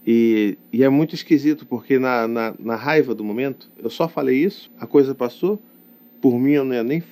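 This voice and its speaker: A man's voice: medium pitch, dark tone. A man with a Brazilian Portuguese accent, a father talking to his camera in a personal, confessional vlog, reflective and hesitant, often adding tag questions. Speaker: father of young children. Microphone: talking to camera, self-recorded.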